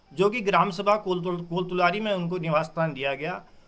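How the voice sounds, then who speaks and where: A man speaks at a high pitch in a bright, sharp tone. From Uttarakhand, Kumaon (Bageshwar). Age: 60s. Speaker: village elder, farmer. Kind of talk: news interview.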